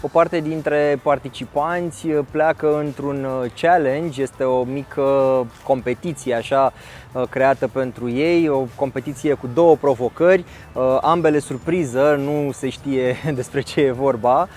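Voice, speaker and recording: A male journalist presenting a casual on-location report outdoors, relaxed and pausing often on fillers. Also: mid-range voice, a little hiss or hum.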